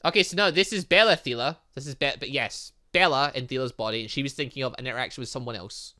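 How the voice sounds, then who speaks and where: A man doing let's play commentary on a visual novel, thinking aloud in an animated way. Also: medium pitch, fast talker. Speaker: gaming video host.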